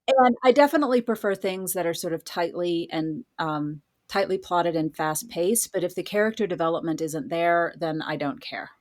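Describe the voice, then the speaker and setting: A woman's voice: fairly low pitch, normal speed, hardly any pauses. A woman speaking as an interview guest, explaining things in an informal, conversational way. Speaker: podcast guest, writer. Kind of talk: casual interview chat.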